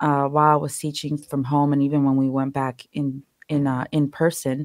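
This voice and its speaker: Speaking at a moderate pace, a woman has a Southern California accent. Her pitch is very deep and low, with monotone, flat intonation. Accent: Southern California American English. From Los Angeles, California. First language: Spanish. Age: 30s. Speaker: sports card breaker and content creator. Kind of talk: podcast interview.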